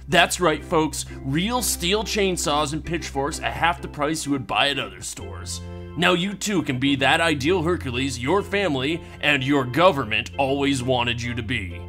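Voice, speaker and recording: A man playing a hearty, folksy radio announcer, delivering a mock commercial sales pitch. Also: sharp tone.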